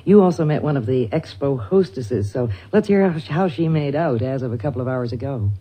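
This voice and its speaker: Mellow, husky 1960s male broadcaster. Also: medium pitch, lively intonation, fairly quick, rough recording. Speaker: radio broadcaster.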